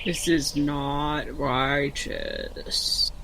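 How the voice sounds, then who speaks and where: A woman's voice: extremely low pitch, huge pitch swings, drawn-out words, creaky, sharp tone, slight background noise, voice pushed down, exaggerated voice, rough recording. A woman voicing an earnest, wounded galactic turtle doctor who pleads in an audio-drama tabletop game, with music and birdsong behind. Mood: hurt, indignant.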